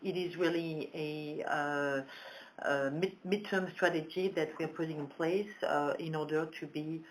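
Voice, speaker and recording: Low-voiced woman, halting executive delivery. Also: steady tone, slight background noise, low-quality recording. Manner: halting, hesitant phrasing with very frequent pauses. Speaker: company executive. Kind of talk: answering questions on a financial conference call.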